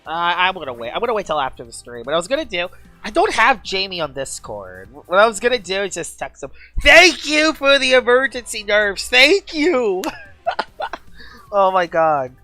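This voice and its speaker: A woman game streamer talking excitedly in a casual live-stream chat, gushing and chatty. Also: fairly low pitch, brisk, faint music behind.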